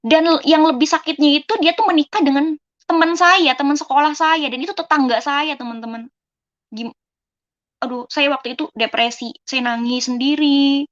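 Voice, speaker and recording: A woman's voice: high-pitched, fairly even intonation, normal speed. Young woman telling her life story, muffled. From Indonesia. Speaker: testimony speaker. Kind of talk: personal life testimony.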